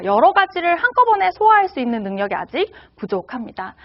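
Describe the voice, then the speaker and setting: A woman's voice: high-pitched, highs cut off. A woman giving a lecture to parents, asking the audience rhetorical questions.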